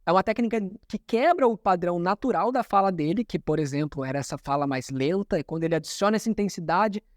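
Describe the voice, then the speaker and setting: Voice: medium pitch, animated, quick pace, dry recording, clean studio sound. A communication coach, explaining a talk in didactic commentary and repeating key terms.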